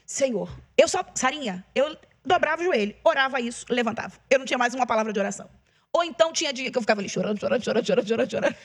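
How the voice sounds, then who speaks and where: A woman's voice: high-pitched, lively intonation, rapid-fire. A Brazilian woman who is a gospel singer, sharing an emotional testimony in a casual chat and repeating phrases for emphasis. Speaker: gospel singer, podcast guest.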